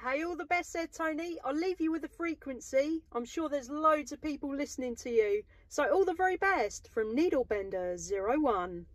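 A woman's voice: sits high, lively intonation, moderate pace, hardly any pauses, dry recording. An enthusiastic woman, making radio contact as a CB operator from inside a car. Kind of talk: radio contact chat with call signs.

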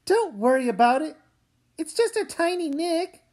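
A woman's voice: high-pitched, sing-song, normal speed, darkish tone. A woman voicing a stubborn, argumentative young girl, an older sister in a comic read-aloud. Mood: dismissive.

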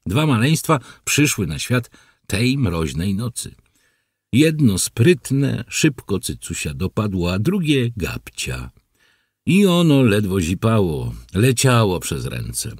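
A man with a low, slightly husky voice tells a first-person story for an audiobook. His pitch moves in a lively way as he narrates wryly. The recording is dry and close. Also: no room sound.

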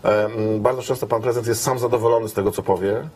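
A man in his fifties speaks as a guest in a television studio, his voice a little low and wry. He pauses often with fillers, recorded close on a lapel mic with a faint hiss behind him. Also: fairly even intonation, darkish tone. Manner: hesitant, many fillers, wry. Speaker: image expert guest. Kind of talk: studio interview. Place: TV news studio.

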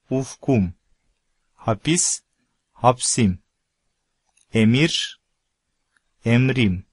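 A man with a somewhat low voice gives a recorded language lesson. He speaks in a measured way and pronounces each example word carefully. The sound is dry and close, with no room around it. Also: a little mellow, dry recording. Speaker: language teacher.

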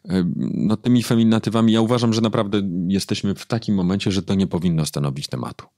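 A man, a book editor, explaining his craft thoughtfully in an interview, pausing often with fillers. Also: fairly low pitch, darkish tone, no echo, clean studio sound. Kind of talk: interview conversation.

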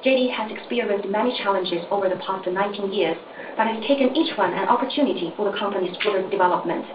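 A woman's voice: medium pitch, quick pace. A woman interpreter carefully reading formal corporate remarks on a conference call. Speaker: interpreter for executive. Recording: dull, roomy, noisy distant conference line.

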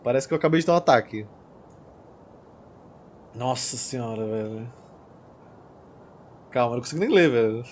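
A young Brazilian man commentating his gameplay, excitable, yelling and swearing as he plays. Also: medium pitch, moderate pace, pauses often, slight background noise. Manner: excitable, yells and swears during play. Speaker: gaming channel host.

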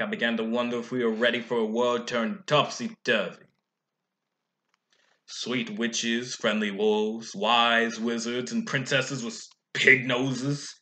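Young man as Humpty Dumpty, bright-voiced noir detective. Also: mid-range voice. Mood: brooding. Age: young adult. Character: hard-boiled noir detective egg, male, wry and world-weary. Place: small room indoors.

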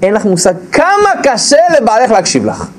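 A man's voice: high-pitched, low-quality recording. A man giving a humorous lecture on marriage to a live audience, acting out spouses' lines and repeating key phrases for emphasis. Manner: animated, acts out spouses' lines in quick put-on voices. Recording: live audience audible in the background.

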